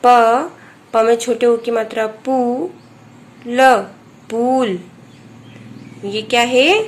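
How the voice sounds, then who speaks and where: A female primary school teacher takes young children through a phonics lesson, speaking very slowly and pausing after every letter and vowel sign. Her slightly high voice carries a patient, methodical manner.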